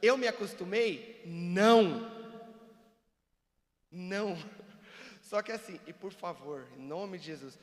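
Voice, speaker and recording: A man giving an animated, joking church seminar talk and acting out examples for the audience. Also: high voice, takes it slowly, pauses often. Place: church hall. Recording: long reverb of a church hall.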